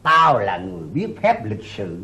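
A boastful blind fortune teller. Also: male voice, on the low side, wildly swooping pitch, normal speed, bright, forceful tone, roomy sound, full character voice. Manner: boastful, sing-song, cheeky retorts. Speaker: comic opera character. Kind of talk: 1980s Vietnamese folk opera acting.

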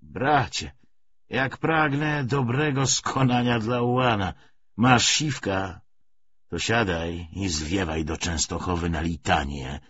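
A man's voice: on the low side, slow pace, fairly bright tone, breathy edge, muffled recording, full character voice. A man voicing a cheeky, folksy army corporal in an audiobook, with a mocking, familiar manner. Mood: mocking, urgent.

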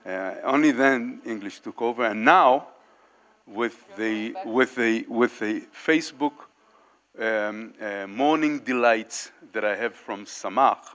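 A man in his sixties gives unscripted remarks at a panel table in a large indoor meeting hall, holding a handheld mic. His voice is fairly low and fairly bright, and he speaks haltingly, gesturing as he talks, with many fillers and restarts.

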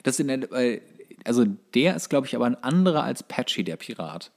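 Male podcast co-host, gravelly fry, casual chat, explanatory, searching phrasing. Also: mid-range voice, very animated, brisk, darkish tone.

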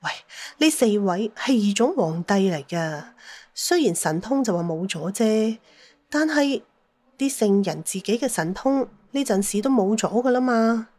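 A woman's voice: medium pitch, expressive, unhurried, darkish tone. A woman telling a dramatised story as an audiobook narrator, with a Cantonese accent.

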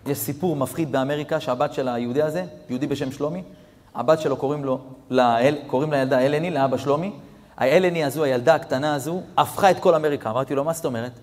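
A rabbi preaches to a crowd, his fairly high man's voice dropping low for a story and then rising into fervent, near-shouted appeals. He keeps speaking straight to his listeners. The sound carries a long reverb, as in a large hall. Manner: dramatic, swings from hushed to near-shouting; addresses audience directly. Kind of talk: storytelling sermon.

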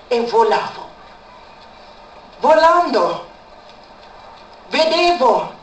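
Woman sharing a personal testimony, emphatic repetition; faint noise behind, reverberant space. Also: high-pitched. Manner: repeats words for emphasis. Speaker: speaker giving a testimony. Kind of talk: emotional spoken testimony. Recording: echoey room, far from mic, faint background noise.

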